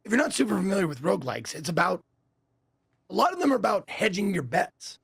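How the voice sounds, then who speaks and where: A man co-hosting a casual gaming podcast, his voice raspy and hoarse from a bad voice day, talking in an animated way and giving advice. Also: sits high, fast, no room sound, studio quality. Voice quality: raspy, strained voice. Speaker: podcast co-host.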